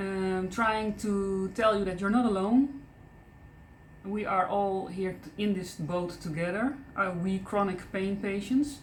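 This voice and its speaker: A woman with a Dutch accent speaks very slowly, her pitch varying in an ordinary way. Audible echo from the room surrounds her voice. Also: medium pitch for a woman. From Netherlands. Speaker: vlogger. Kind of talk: personal vlog. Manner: hesitant, searching for words.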